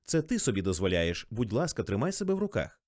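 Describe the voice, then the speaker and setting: A man's voice: on the low side, very animated, fast, a little mellow. A man voicing a young society wife, raising his voice into a pleading tone.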